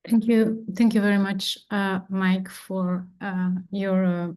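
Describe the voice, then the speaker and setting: A woman moderating a conference panel, halting and full of fillers as she introduces the next speaker. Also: medium pitch, level tone, darkish tone, clear, resonant tone.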